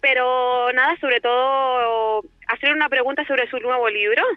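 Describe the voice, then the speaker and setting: A woman's voice: high voice, steady tone, unhurried, clean tone, dry recording. A woman comes through over a phone line, her voice a little muffled and dry with no room around it. She talks in a casual, hesitant way, restarting her sentences and searching for the right words as she puts her question to the show. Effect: heard over the phone. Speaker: caller to a live show.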